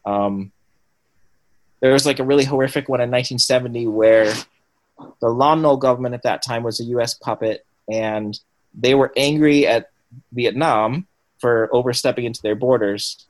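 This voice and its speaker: A man's voice: medium pitch, fairly even intonation, moderate pace, low-quality recording. A young man giving an interview, speaking thoughtfully with frequent ums and restarts. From Washington State and Cambodia. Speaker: guest. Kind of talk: conversational interview.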